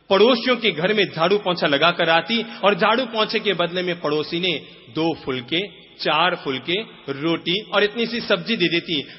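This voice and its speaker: Man preaching a dramatic sermon in a hall. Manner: dramatic, acts out story characters with rising pitch. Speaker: Jain preacher. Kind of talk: sermon with storytelling. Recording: dull lo-fi recording in a reverberant hall.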